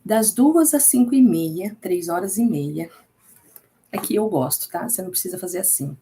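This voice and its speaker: A Brazilian woman leads a relaxed Bible study lesson in a mellow, warm-toned voice. She talks in a chatty way and keeps checking in with her listeners as she goes. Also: lowish voice, normal speed, a little hiss or hum. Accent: Brazilian Portuguese. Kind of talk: casual recorded class.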